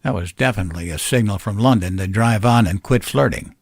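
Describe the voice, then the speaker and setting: A man's voice: on the low side, fairly quick, gravelly, husky, clean studio sound. A man reading a scripted work of fiction as narrator. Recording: roomy echo, faint music bed.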